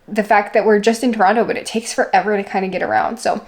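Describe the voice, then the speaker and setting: A woman's voice: mid-range voice, fairly even intonation, fast. A woman talking casually to camera as a travel vlogger, in an informal, conversational way with "like" sprinkled through. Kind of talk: casual vlog chat to camera.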